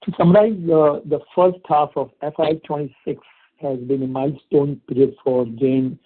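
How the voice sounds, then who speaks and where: A man with an Indian accent, a company chairman, giving formal, measured prepared remarks on an earnings call over a phone line. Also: medium pitch, breathy edge. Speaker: company chairman and managing director. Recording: muffled, phone-like conference line.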